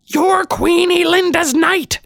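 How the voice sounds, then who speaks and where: A man voicing a fierce, urgent woman who scolds and demands, in a creaky, sharp voice in a fantasy audiobook. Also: very high voice, a little slow, voice pushed up, full character voice. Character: fierce, scolding woman urging on a reluctant knight.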